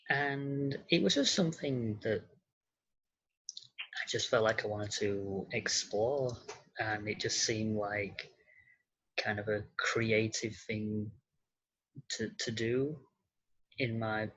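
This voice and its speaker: A young British man answering interview questions casually, in a hesitant, halting way with repeated starts. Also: medium pitch, fairly bright tone, slightly rough, dull audio. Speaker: interview guest.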